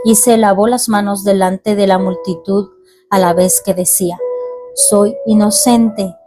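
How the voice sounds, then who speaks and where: A woman reading a Bible passage aloud and then reflecting on it in earnest, halting commentary. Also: medium pitch, a little mellow. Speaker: ministry teacher. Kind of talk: reading scripture and preaching. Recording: faint music behind.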